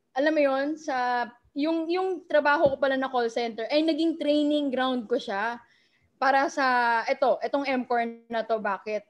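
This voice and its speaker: A woman with a Filipino accent telling her personal story over a video call, chatty and always asking her listeners "right?". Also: fairly high pitch. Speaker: guest speaker sharing her story. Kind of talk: personal testimony talk.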